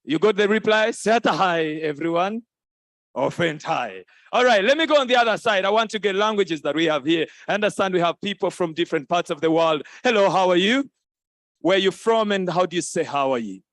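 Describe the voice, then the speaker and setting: A man hosting a live event on stage, playful and quick to laugh as he teases the crowd into repeating greetings. His voice sits high for a man. The sound is dry and close, with little room echo. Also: expressive, a bit bright. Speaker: event host. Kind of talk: lively crowd interaction. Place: conference hall stage.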